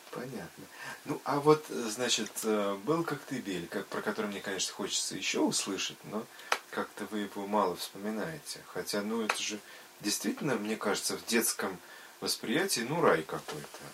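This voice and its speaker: Noticeable background noise behind a man's fairly low pitch. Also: moderate pace. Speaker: interviewer. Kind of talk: interview.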